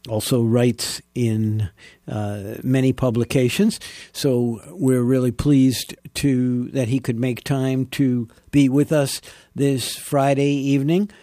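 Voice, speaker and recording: A male podcast host introducing and interviewing a guest, speaking haltingly with many fillers. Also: medium pitch, dark tone, no room sound, studio quality.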